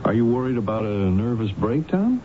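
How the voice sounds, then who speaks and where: An actor playing a doctor's concerned, questioning colleague in a radio drama. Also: male voice, on the low side, big pitch swings, brisk. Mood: concerned, probing. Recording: muffled, noisy old radio broadcast.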